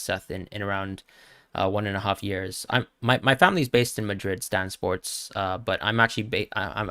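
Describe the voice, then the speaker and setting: A young man with a fairly low voice hosts a casual live stream, reading viewers' questions aloud and answering them. He often repeats his first words before settling into a thought. The sound is dry and close, from a home streaming setup. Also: a bit bright, smooth, dry recording. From Hong Kong. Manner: reads out chat questions and answers them with frequent stammered restarts. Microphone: new streaming mic.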